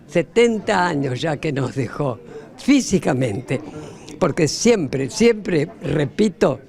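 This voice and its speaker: A man's voice: on the high side, very animated, slow, creaky, darkish tone. A man giving a solemn tribute in an interview, emphatic and repeating words.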